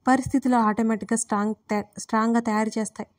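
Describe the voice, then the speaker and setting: Woman voicing a gentle teasing younger sister. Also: on the high side, steady tone, very fast, no room sound, clean studio sound, natural voice. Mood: soothing.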